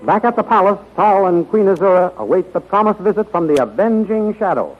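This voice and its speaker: A man's voice: high voice, expressive, a little fast, faint music behind. A male announcer reading scripted narration in an emphatic, formal 1930s radio style on a muffled old recording.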